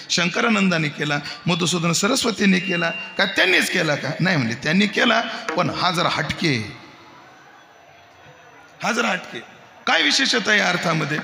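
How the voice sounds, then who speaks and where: Kirtan preacher, man, Marathi accent, high ringing voice, booming echo of a large hall with music behind. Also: gravelly. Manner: jokes with the crowd, breaks into loud chanted verse. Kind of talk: devotional kirtan sermon with sung verses.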